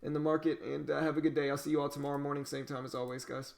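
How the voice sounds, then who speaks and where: A slightly high, creaky male voice races along as this Louisiana host with a light Cajun accent runs his day-trading livestream. He casually reads out viewer comments, staying relaxed and conversational with plenty of "you know."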